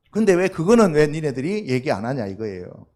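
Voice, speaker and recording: A man's voice: on the high side, very animated, a little slow, a little mellow. A male pastor preaching a sermon to a youth congregation in a loose, conversational way, often asking the listeners questions and answering them himself.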